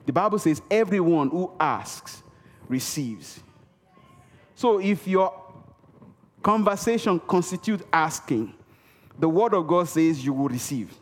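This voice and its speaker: A man's voice: a little high, animated, a little slow, long pauses. A man preaching a sermon in a church, emphatic and repetitive, calling out for responses from the congregation. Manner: emphatic, repeats key words for effect; calls for audience response. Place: church hall. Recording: reverberant hall.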